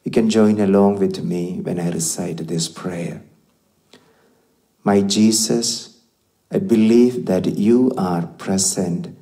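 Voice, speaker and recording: A middle-aged man, a priest, reciting solemn Mass prayers in measured, deliberate phrases. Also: low voice, dark tone. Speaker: Catholic priest celebrating Mass. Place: small chapel, indoors at altar. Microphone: microphone on stand at altar.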